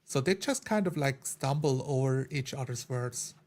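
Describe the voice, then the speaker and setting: A man's voice: medium pitch, normal speed, a little mellow. A man talking casually as a player in a tabletop roleplay group. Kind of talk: casual chat.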